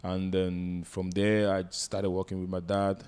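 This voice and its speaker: A man in his thirties from Cameroon, answering interview questions with many pauses and fillers. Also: deep voice, completely flat delivery, a little mellow, smooth. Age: 30s. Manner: hesitant, many fillers and restarts. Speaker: guest entrepreneur.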